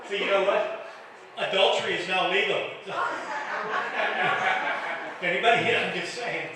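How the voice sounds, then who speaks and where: A man's voice: high voice, takes it slowly, pauses often. A middle-aged or older man from the Detroit area doing a stand-up set, stammering through restarts and teasing the crowd. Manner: self-deprecating, stammering restarts, banters with the crowd. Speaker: stand-up comedian. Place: comedy club stage. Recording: echoey club from far off, crowd noise.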